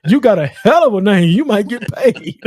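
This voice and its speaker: A man's voice: sits high, lively intonation, moderate pace, a little mellow. A man hosting a casual live-streamed show, effusive and often repeating his own phrases. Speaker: call-in show host.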